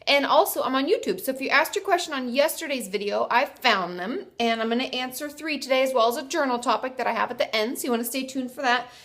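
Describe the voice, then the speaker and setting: A woman's voice: high voice, animated, quick pace, few pauses, a bit bright. A young woman therapist with a congested, stuffy voice from a cold. She sounds a little tired as she talks through viewer questions and reads them out in a friendly, explaining way. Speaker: therapist and video host. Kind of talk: casual advice talk to camera.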